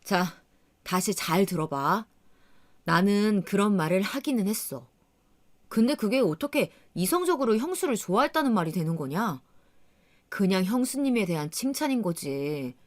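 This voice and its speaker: A woman's voice: medium pitch, animated, moderate pace, close to an everyday voice. A woman playing an exasperated young husband. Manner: insistent, reasoning, lecturing tone.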